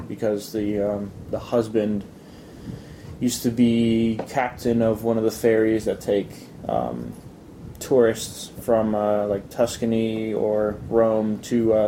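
A man from Italy answering casual interview questions in a hesitant, measured way. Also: dark tone, rough recording. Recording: low rumbling background noise.

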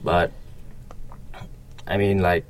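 A young man from Vietnam with a Vietnamese accent, answering interview questions casually in a hesitant, halting way. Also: low-pitched, level tone, a little hiss or hum.

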